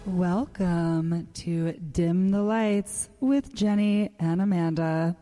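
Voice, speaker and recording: A woman's voice: lowish voice, takes it slowly, dark tone, faint music behind. A woman hosting a casual radio chat, her voice caught in an accidental cave-like reverb effect, talking with lots of ums and restarts. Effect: accidental cavernous reverb on her mic. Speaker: radio show host. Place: community radio studio. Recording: echoey cave-like reverb on studio mic.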